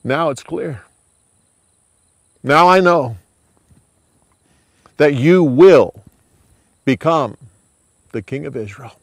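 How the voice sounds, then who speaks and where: A man's voice: a little high, expressive, drawn-out words, long pauses, dry recording, exaggerated voice. A man doing a remorseful, humbled old king. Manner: remorseful, imploring.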